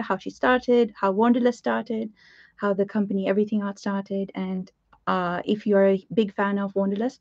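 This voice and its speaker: A woman in her thirties from Pakistan with a Pakistani English accent, chatting warmly with live viewers as she hosts a craft lesson from her home studio, filling her talk with ums and quick laughs. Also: medium pitch, no room sound. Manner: bubbly, greets viewers, frequent laughs and fillers. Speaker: art teacher hosting a live stream. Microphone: webcam at desk. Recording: dry, slightly dull webcam audio.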